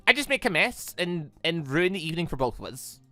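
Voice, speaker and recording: Man playing fretful teenage girl, hesitant, self-doubting, lively pitch, visual novel game character, dry sound. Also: brisk, no room sound, faint music behind, exaggerated voice. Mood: nervous, doubtful.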